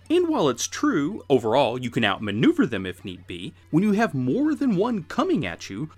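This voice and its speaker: A man with a mid-pitched voice presents scripted explanatory narration about games. His intonation swings widely, landing emphatically on key words in measured phrases. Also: a bit bright. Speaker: retro game show narrator.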